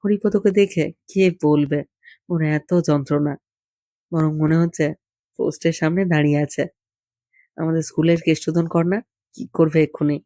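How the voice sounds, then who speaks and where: A narrator reading a literary short story in an intimate, gentle fireside storytelling manner. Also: medium pitch, steady tone, normal speed, pauses often, no room sound, clean studio sound. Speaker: audiobook story reader.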